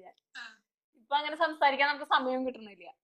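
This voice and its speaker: Here a woman talks in a high pitch. Her pitch varies in an ordinary way. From Chennai, then rural Thrissur, Kerala. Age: young. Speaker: literature student and news reader. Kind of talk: casual interview chat.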